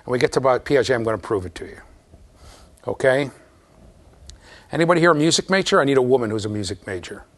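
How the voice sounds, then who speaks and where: Lively man lecturing a class. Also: quick pace, pauses often. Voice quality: low voice. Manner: lively, conversational, addresses students directly. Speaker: university lecturer.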